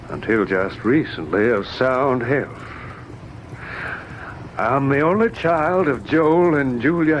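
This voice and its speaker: An actor playing an irritable, brooding, wealthy invalid gentleman in an old-time radio drama, with measured, formal, theatrical delivery. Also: medium pitch, slight background noise, low-quality recording.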